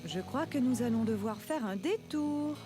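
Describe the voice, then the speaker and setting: A caring cartoon mum, played by an actress, with a high voice. She explains things patiently to a small child, with faint music behind her. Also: animated, moderate pace, close to an everyday voice. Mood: patient explaining. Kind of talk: French children's cartoon dubbing.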